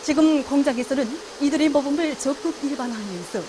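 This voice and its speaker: High-pitched North Korean woman news announcer. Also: fast, background noise. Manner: formal, declamatory North Korean broadcast delivery. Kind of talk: scripted state news bulletin.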